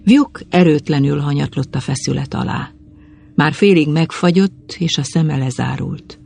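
A narrator with a husky voice reading a literary story in a solemn, measured way. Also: medium pitch, darkish tone, a little hiss or hum. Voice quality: gravelly, husky.

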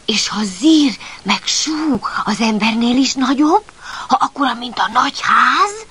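A fearful little puppy warns in hushed, breathy whispers that rise and fall anxiously, as a woman puts it on. Her tone stays high and nervous. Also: lively intonation, exaggerated voice. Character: timid, worried little puppy.

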